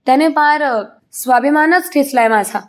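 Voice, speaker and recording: Woman narrator voicing a tearful, plaintive young wife; a plain read, slightly high. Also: brisk, natural voice. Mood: tearful complaint. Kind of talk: reading a serial recap aloud.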